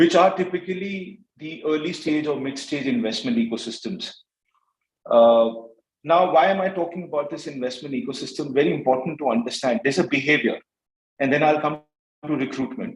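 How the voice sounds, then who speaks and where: With an Indian accent, a man speaks at a fairly quick pace in a somewhat breathy, fairly high voice. His intonation is lively. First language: Hindi. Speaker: HR professional, conference speaker. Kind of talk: conference panel talk. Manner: code-switching English and Hindi; many fillers, hesitant.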